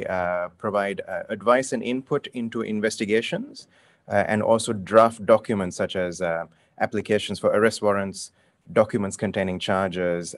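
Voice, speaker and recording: Halting, low-voiced man on a video call. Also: no room sound. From Sri Lanka. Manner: hesitant, many fillers and restarts. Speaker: prosecutor. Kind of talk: webinar panel talk. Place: bright office room, indoors. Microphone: video call webcam.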